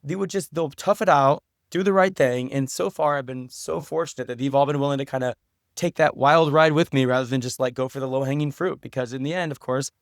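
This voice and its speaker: A man's voice: medium pitch, fairly quick, no room sound, studio quality. A man speaking earnestly and thoughtfully as a podcast guest in a reflective interview conversation. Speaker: podcast guest, writer and teacher.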